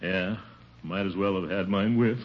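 An actor playing a vain, blustery middle-aged bachelor uncle in a 1950 radio comedy, full of self-satisfied chuckles. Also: male voice, low-pitched, moderate pace, lightly acted. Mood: pompous. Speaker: lead character of a radio sitcom. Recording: scratchy dull old radio broadcast recording.

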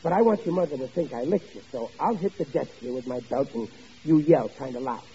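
An actor playing a blustering but soft-hearted working-class father in an old-time radio sitcom, stammering through his mock-stern talk. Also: mid-range voice, expressive, fairly quick, close to an everyday voice. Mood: sheepish, confiding. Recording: dull vintage radio recording, faint noise, audience.

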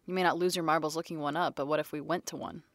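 A young woman in a scripted audio drama, teasing her friends with quick banter. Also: low voice, fairly even intonation, no echo, close to an everyday voice.

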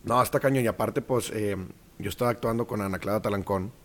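A man with a Mexican accent, a guest actor in a casual interview, telling animated stories and acting out quoted voices. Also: on the low side, quick pace.

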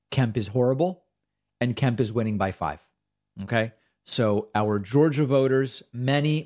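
A middle-aged man from the United States hosts a political commentary show with a sarcastic, exasperated edge. His voice sits at an ordinary middle pitch, and his talk runs loose and conversational, with asides and flat put-downs. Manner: sarcastic, exasperated, reads quotes aloud with emphasis.

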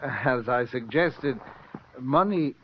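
A man playing a menacing crook who talks slowly and theatrically about money, in 1950s radio drama style. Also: mid-range voice, expressive, slight background noise. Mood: silky menace. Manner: slow, purring, theatrical. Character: silky, menacing male crook obsessed with money. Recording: dull vintage radio recording.

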